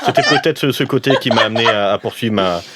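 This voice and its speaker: A man's voice: mid-range voice, animated, quick pace. A man playing a tabletop game in character, droll and mock-formal. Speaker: roleplaying game player. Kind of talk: casual in-character tabletop play. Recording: heavy noise with clicks.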